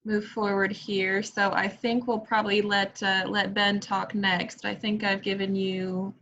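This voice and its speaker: A woman's voice: mid-range voice, level tone, unhurried, fairly bright tone, a little hiss or hum. A woman facilitating a video meeting, handing over to the next speaker with some hesitation and repeated words. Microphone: video call. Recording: muffled video-call audio.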